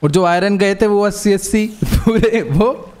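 A young man with a fairly high voice chats casually while streaming a game with friends. He bickers excitedly, protests loudly and laughs a lot as the argument goes on. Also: measured pace. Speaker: gaming streamer.

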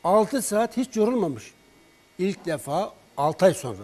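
A man tells health stories in an animated way, acting out the calls between himself and a patient. His voice sits a bit high for a man yet sounds dark and mellow. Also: a little slow. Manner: animated storyteller, acts out patient's and his own words in dialogue. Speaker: herbal remedy expert on a broadcast. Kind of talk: storytelling health talk.

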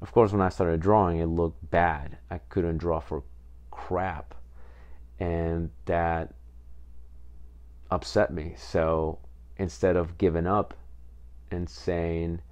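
A man's voice: deep voice, fairly even intonation, takes it slowly, long pauses, darkish tone. A man in his twenties from Peru, hosting a podcast and telling his own story in a casual, rambling way with many fillers. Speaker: podcast host.

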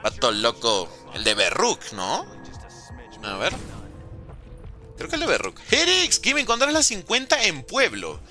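A young man with a Venezuelan accent softened by years in Mexico, casually chatting with viewers and answering their comments while he plays. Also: high-pitched, huge pitch swings, a little slow, gravelly, pauses often, faint music behind. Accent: Venezuelan Spanish softened by years in Mexico. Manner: chatty, slangy, answers viewers' chat aloud. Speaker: gaming streamer. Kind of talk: casual live-stream chat while gaming.

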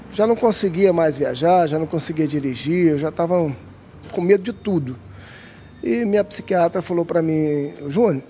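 Here the Brazilian woodcarving artisan from Minas Gerais sits high in pitch with a dark, gravelly tone, a little hiss or hum under the audio. As a guest in an indoor craft shop, he hesitantly answers casual interview questions, restarting often and using many fillers, while the interviewer holds a handheld mic.

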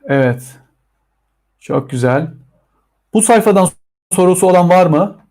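A man with a Turkish accent teaching a live online English lesson to children, drawing out model phrases slowly. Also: sits high, animated, a little mellow.

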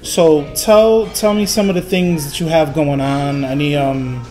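Upbeat interview host with a lower voice. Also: female voice, fairly even intonation, measured pace, darkish tone. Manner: upbeat, prodding, repeats "all right". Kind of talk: casual interview hosting. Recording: faint music in the background.

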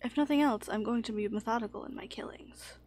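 A woman's voice: a little high, quick pace, a little mellow. A woman hosting a let's play, joking wryly and often dropping into a half-whisper while her character sneaks. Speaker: gaming channel host.

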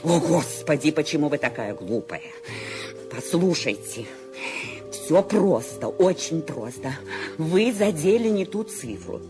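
An actress playing a bedridden, nervous invalid wife who grows insistent and frantic, in a 1970s radio play with music behind. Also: female voice, on the low side, lightly acted. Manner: anxious, insistent, rising to panic. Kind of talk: 1970s radio drama acting.

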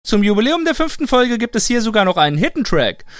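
A man's voice: sits high, sing-song, quick pace. A man giving informal explanatory commentary as the maker and presenter of an audio drama.

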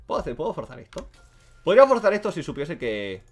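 A man from Spain commentating his own gameplay, excitable and swearing freely as he talks to himself and his viewers. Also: fairly high pitch, fast, faint music behind. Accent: Spain Spanish. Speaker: gaming streamer.

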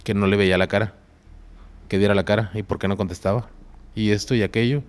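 A man with a fairly low voice and a Mexican Spanish accent talks fast as a podcast guest telling a story. His talk is casual and full of slang, and he gets animated whenever he quotes other people.

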